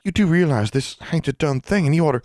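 Man doing a gentle, proper Ozark country girl. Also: on the high side, lively intonation, fast talker, no room sound, studio quality, pitched above the performer's own voice, lightly acted. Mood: flustered. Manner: hushed, old-fashioned dialect.

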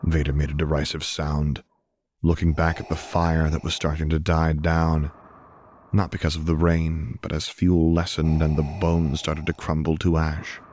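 Low-voiced man narrating fiction. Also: completely flat delivery, moderate pace, darkish tone. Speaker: audiobook narrator.

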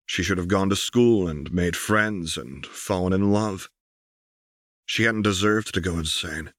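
A man's voice: low-pitched, unhurried, a bit bright, no echo, studio quality. A man reading an audiobook as scripted, dramatic story narration. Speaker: audiobook reader.

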